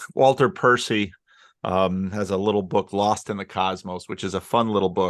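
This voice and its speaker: In a plain, everyday voice, a man speaks at a fairly low pitch and a moderate pace. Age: 60s. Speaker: pastor and commentator. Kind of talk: casual chat.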